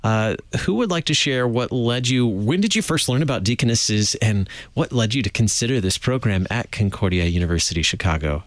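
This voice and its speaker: A man's voice: fairly low pitch, animated, fairly quick, hardly any pauses, no room sound. A man hosting a radio interview in a studio, friendly and chatty, laughing easily. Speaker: radio show host.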